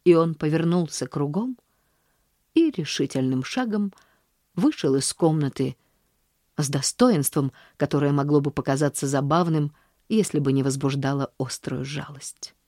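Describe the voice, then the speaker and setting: A woman with a low voice narrates an audiobook in a measured, even storytelling manner. The recording is studio quality with no room sound.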